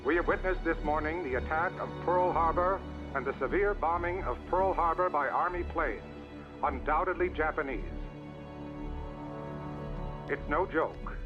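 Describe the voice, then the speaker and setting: A man's voice: a little high, a little slow, long pauses. An actor playing a male radio newsman who breaks into the program with an urgent bulletin, heard through an old radio. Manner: urgent, loud announcing. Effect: old radio broadcast breaking into the program. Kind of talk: 1940s radio news bulletin. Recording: muffled 1940s radio with music.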